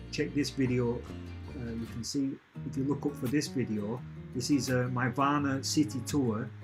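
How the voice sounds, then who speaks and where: A man's voice: mid-range voice, low-quality recording. A man hosting a casual live stream from home, chatting in a rambling, upbeat way and often restarting his sentences. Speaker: channel host answering live questions. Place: at home with family and a cat nearby.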